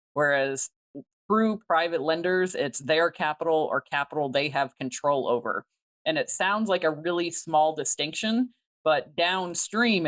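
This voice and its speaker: A woman who is a private money lender, speaking as an interview guest and explaining things clearly and methodically. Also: low voice. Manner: articulate, methodical, explains step by step.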